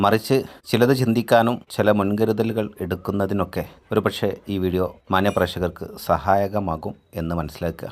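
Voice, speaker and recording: A man with an ordinary speaking voice, fairly low in pitch. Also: ordinary pitch variation. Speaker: village vlogger. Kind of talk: documentary-style vlog narration to camera.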